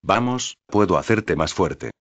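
A man voicing a mysterious man in black who speaks in a slow, measured, secretive way. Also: sits low, expressive.

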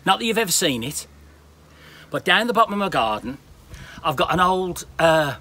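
A man's voice: a little high, very animated, moderate pace, bright, forceful tone. Chatty blunt British man outdoors. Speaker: smallholder vlogger. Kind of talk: casual chat to camera. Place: outdoors in a garden.

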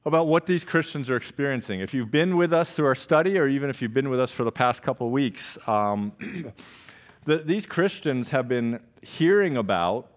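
A man in his forties preaching a sermon as pastor, telling stories with lively gestures and acting out his own reactions. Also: medium pitch, normal speed. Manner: animated storytelling, gestures widely, acts out his own reactions. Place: church stage with purple backlit wall.

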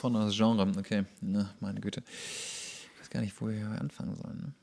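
A man's voice: on the low side, fairly even intonation, fairly quick, gravelly. A man co-hosting a podcast, commenting on a TV show in a casual, wry and playful way. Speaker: podcast co-host.

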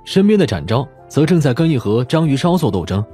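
A man's voice: mid-range voice, sing-song, fairly quick, warm tone. A man reading a detective audiobook as a scripted narration. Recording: music behind the voice.

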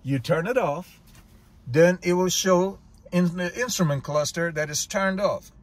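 A man's voice: high voice, a little slow, no echo. An older man, a mechanic, explaining car features step by step in a plain, methodical way, with small slips. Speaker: master diagnostic technician. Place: outdoors in a dealership parking lot, then inside a car.

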